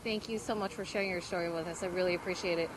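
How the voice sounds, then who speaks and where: A woman's voice: fairly low pitch, fairly even intonation, very fast, noisy background. A woman field reporter giving a live news report from the street, talking loosely with fillers and restarts. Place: outdoors in the cold by a roadside crowd.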